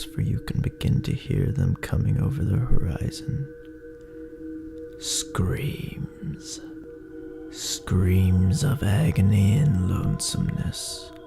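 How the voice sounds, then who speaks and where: Male narrator, low-pitched, very heavy vocal fry, breathy, brooding, theatrical horror storytelling, music underneath. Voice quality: breathy, gravelly, often near-whisper. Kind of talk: dramatic horror story narration in second person.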